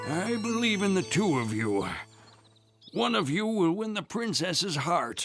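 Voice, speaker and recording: A man puts on a cartoonish character voice, high in pitch and fairly slow. Faint music plays in the background. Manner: brusque, dismissive.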